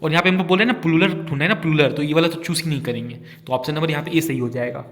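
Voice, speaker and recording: A man's voice: a little high, rapid-fire, fairly bright tone, in a large hall. A man with an Indian English accent tutoring young students, explaining English questions in a casual, repetitive way and often checking that they follow. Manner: repetitive, keeps asking "right?" and checking understanding. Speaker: online olympiad teacher.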